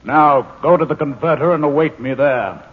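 A man's voice: fairly high pitch, moderate pace, narrow, tinny audio, lightly acted. An actor playing a centuries-old alien man, stern yet tender, in a grave, declamatory 1950s radio drama style. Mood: commanding. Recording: hissy band-limited 1950s radio with reverb.

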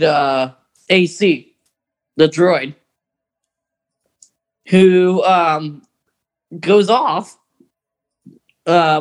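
A man co-hosting a podcast, chatting casually and informally as an enthusiastic fan of sci-fi books. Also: on the high side. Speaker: podcast co-host.

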